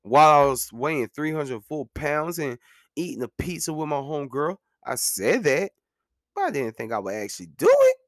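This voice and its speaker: A man's voice: fairly high pitch, huge pitch swings, moderate pace, no echo, studio quality. A man in his thirties talking casually and earnestly about his own experience as a podcast host, repeating lines for emphasis and dropping in "man" and "you know what I'm saying.". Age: 30s. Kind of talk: casual monologue.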